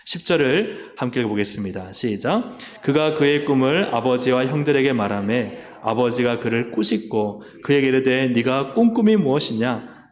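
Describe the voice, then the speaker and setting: A male pastor preaching a sermon and putting questions to the congregation. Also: medium pitch. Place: church sanctuary. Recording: long reverb of a church hall.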